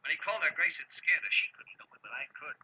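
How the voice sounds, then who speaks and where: An actor playing a gloating, mock-polite nightclub owner turned blackmailer, in 1940s radio style. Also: male voice, on the high side, sing-song, fast talker, slightly rough. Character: smug male nightclub-owning blackmailer, coolly menacing. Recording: muffled, noisy old radio recording.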